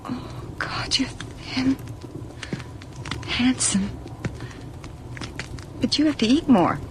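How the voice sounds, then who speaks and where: High-voiced, uneasy young woman. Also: animated, very slow, in a whisper, full character voice. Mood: hesitant, soft. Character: uneasy, kind young woman lost in the woods. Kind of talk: naturalistic radio drama acting. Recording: noisy old radio drama recording.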